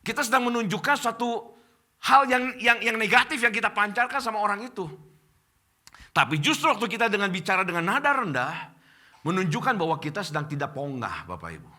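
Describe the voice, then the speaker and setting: Lively bright-voiced male pastor preaching. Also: high voice, brisk. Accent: Indonesian. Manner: addresses congregation as Bapak Ibu, animated preaching. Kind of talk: sermon. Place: church.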